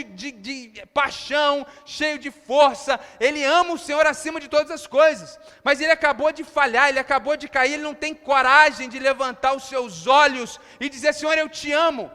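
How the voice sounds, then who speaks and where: High-voiced Brazilian pastor preaching. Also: male voice. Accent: Brazilian Portuguese. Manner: expository, swings from hushed to emphatic. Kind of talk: sermon. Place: church hall. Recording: long church-hall reverb.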